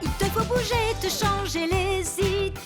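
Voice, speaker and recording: Comforting cartoon aunt over music. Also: female voice, extremely high pitch, a little slow. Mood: comforting song. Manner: soothing, encouraging. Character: reassuring, kindly aunt who comforts with songs. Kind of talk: musical children's cartoon dub. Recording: music under the voice.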